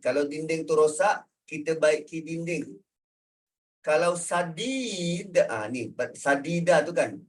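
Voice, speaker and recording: Slow-speaking Malaysian religious teacher. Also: male voice, fairly high pitch. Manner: explains word meanings with everyday examples, acts out intonations. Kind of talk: religious lecture, conversational.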